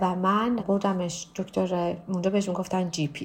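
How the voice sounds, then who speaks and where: Somewhat breathy, a woman talks at a moderate pace and medium pitch. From Iran, Tehran. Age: 30s. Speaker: immigrant interviewee. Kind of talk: interview.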